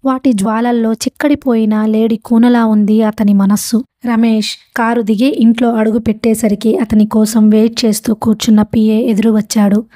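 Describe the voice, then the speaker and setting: A woman reading a novel aloud as an audiobook narrator, in a steady, measured way. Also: a little high, no echo, studio quality.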